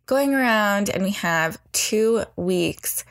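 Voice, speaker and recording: A woman's voice: mid-range voice, animated, slow. A young woman hosting her podcast in a chatty, upbeat way, sounding groggy with her morning voice as she records from bed on a studio mic. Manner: chatty, upbeat, rambling updates. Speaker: podcast host. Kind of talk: casual solo podcast chat. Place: in bed, indoors. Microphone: new heavy studio microphone.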